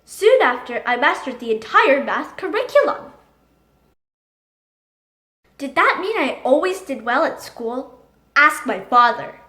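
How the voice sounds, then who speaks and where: A woman reading a children's picture book aloud in an expressive, emphatic storytelling manner. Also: high voice, a little slow, pauses often, echoey room. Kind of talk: animated picture book read-aloud in character.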